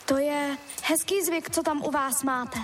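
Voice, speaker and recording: A woman's voice: high-pitched, fairly even intonation, lightly acted. A woman in an acted dialogue, speaking in a curious, questioning manner. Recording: distant voice with faint ambient noise.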